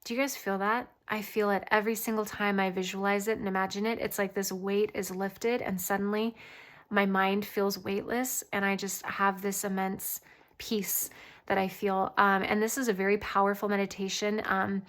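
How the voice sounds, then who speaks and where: A woman host giving a casual channeled spiritual reading, often pausing mid-thought as if listening. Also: mid-range voice, level tone, fairly bright tone. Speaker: tarot reader and channeler, host.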